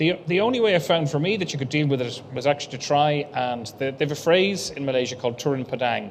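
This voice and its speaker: A man with an Irish accent talks at a very fast pace in a fairly high pitch, with hardly any pauses. Audible room echo fills the recording. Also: ordinary pitch variation. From Ireland. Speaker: airline executive. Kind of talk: on-stage interview. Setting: stage with audience.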